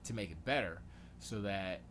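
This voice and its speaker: A man from Florida with a lowish voice hosts a laid-back livestream from his home studio. He thinks aloud as he works, muttering questions to himself and letting sentences trail off. A steady hiss of noise sits clearly under the recording. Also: moderate pace. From Florida, USA. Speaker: livestream host.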